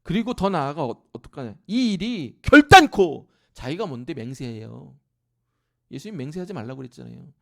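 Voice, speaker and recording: A man's voice: brisk, gravelly. A man preaching a sermon in church, explaining scripture and acting out lines with rising force. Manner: animated preaching, shouting scripture at peaks, then dropping low. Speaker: pastor. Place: church sanctuary.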